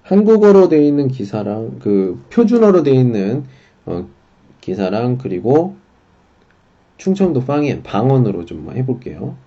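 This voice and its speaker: A man teaching a casual livestream language lesson, unhurried and dropping in frequent filler acknowledgements. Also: mid-range voice, sing-song, mellow, breathy edge, highs cut off.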